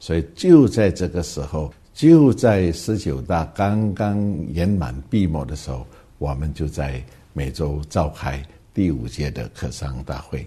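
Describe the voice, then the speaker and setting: Somewhat breathy and dark, mellow in tone, the voice moves very slowly with lively intonation. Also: man, very deep, low pitch for a man. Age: 70s. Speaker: businessman and philanthropist. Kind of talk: interview.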